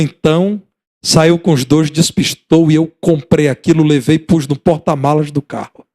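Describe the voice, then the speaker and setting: A man's voice: a little high, a little mellow. A middle-aged Brazilian man preaching a sermon as pastor, building rhythmic repetitions and voicing dialogue from his stories. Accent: Brazilian Portuguese.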